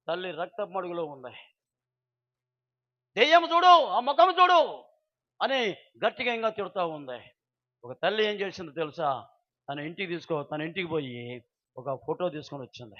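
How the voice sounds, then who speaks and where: Male pastor, very high voice, fervent sermon that swings from shouts to near-whispers; muffled lo-fi audio. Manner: impassioned, swinging from loud outcries to hushed storytelling. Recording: dull lo-fi recording.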